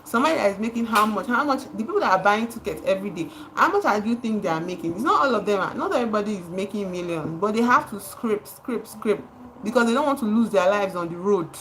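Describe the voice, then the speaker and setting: A Nigerian woman talks on a live stream at an ordinary pitch, sounding impassioned and driving her points home through repetition. She stops now and then to greet people in the chat. Faint noise hangs behind her voice. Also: animated, fast, fairly bright tone, low-quality recording. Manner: impassioned, repeats words for emphasis, greets chat viewers. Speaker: livestreamer.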